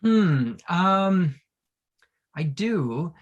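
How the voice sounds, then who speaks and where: A man with a somewhat high-pitched voice speaks as a panelist. His delivery is thoughtful and hesitant, halting often and repeating words as he forms an answer. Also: animated, dull audio.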